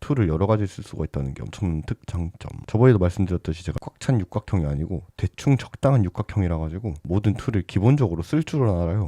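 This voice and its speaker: A man with a very deep, low pitch and a dark, mellow tone talks at a very fast pace with lively intonation, the sound dry and close with no echo over a quiet background. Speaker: illustrator and small shop owner YouTuber. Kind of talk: casual solo chat while working. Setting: at home in front of plain wallpaper. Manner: rambling stream-of-consciousness.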